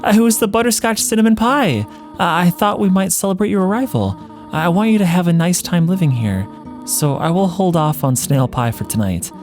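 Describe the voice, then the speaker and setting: A man voicing a gentle, doting motherly woman monster from a video game, with a hesitant, fussing, tender manner. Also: sits high, moderate pace, faint music behind, voice pushed up, natural voice. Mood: cheerful, flustered. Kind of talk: video game character read-along.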